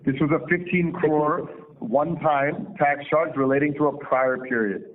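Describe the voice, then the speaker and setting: A male company executive answering analyst questions on an earnings call in measured corporate phrasing. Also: a little high, fairly even intonation. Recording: noisy narrowband conference phone line.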